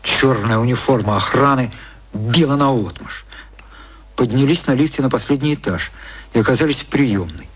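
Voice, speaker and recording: A male actor giving a measured, detached scripted narration as the narrator of a literary radio drama. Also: medium pitch, slight background noise, lightly acted.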